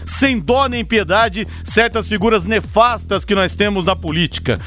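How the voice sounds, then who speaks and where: Brazilian man, animated radio presenter, strikingly high register, rhetorical and emphatic, light music behind. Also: moderate pace. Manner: emphatic, rhetorical, repeats phrases for effect. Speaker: sports radio host.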